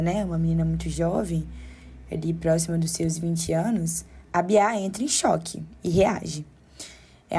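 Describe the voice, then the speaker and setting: A woman giving measured, explanatory commentary as a podcast co-host, often tagging her points with questions. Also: medium pitch, dark tone, slightly rough.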